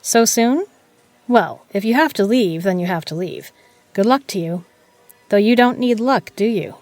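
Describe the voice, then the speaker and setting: A woman playing a shrewd, proud poker legend who runs a bar, brash, sardonic and quick to swear, in an audio drama. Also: medium pitch, lively intonation, darkish tone, no echo, soft background music, natural voice. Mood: slyly friendly. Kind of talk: dramatic audio roleplay acting.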